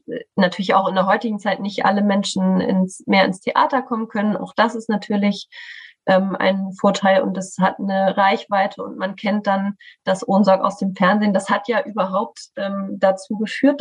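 A middle-aged woman speaks in a slightly husky, breathy voice. She explains in a friendly, thoughtful way and pauses often on fillers and restarts, as a guest in a podcast interview. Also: medium pitch. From Schleswig-Holstein, northern Germany. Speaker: artistic director of a theatre studio, guest.

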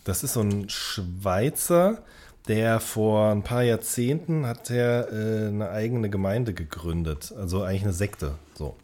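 A man co-hosts a laid-back podcast chat in a lowish, slightly mellow voice at a measured pace. He tends to be wordy, correcting and rewording himself as he edges around his point.

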